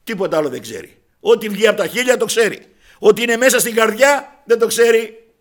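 A man's voice: sits high, lively intonation. A man preaching a sermon, telling a story and addressing his listeners as brothers, acting out the dialogue. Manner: acts out dialogue in quoted voices.

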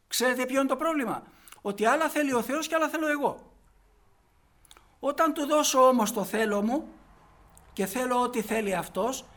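A man preaching a sermon emphatically, asking the congregation rhetorical questions and moving between hushed asides and loud stressed points. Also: very high voice.

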